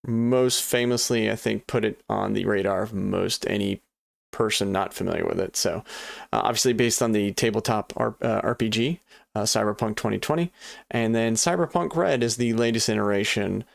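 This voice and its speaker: Low gravelly dude rambling through an unboxing at his desk, chatty, keeps apologizing. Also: moderate pace, no echo. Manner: rambling, many fillers and restarts, chatty and apologetic. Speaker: board game channel host. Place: home desk.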